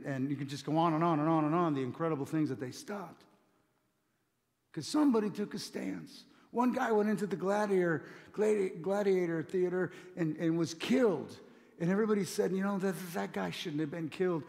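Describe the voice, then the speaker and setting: A middle-aged man delivers a sermon from a church stage in a conversational, earnest manner, stumbling and restarting as he goes. His voice sits somewhat high for a man. The sound carries a long reverb from the room. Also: vocal fry, a little mellow. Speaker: pastor. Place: church stage with communion table.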